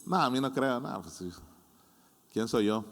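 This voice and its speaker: A man's voice: mid-range voice, expressive, a little slow, creaky, a bit bright. A male pastor with a Mexican Spanish accent gives a sermon in a conversational way and acts out his listeners' doubts with humor. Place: church hall. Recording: long hall reverb.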